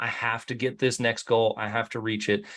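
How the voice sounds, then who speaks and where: In a very clean recording with a silent background, a man with an ordinary speaking voice and medium pitch talks at a fairly quick pace. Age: 30s. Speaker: business coach. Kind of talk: workshop presentation.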